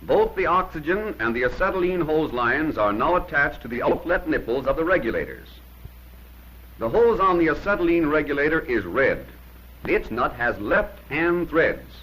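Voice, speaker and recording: A man narrates like a 1950s instructional film, his husky, a bit bright voice swinging widely in pitch as he delivers short, plain-spoken instructions with firm emphasis at a moderate pace. It's expressive, and the old film soundtrack gives poor audio.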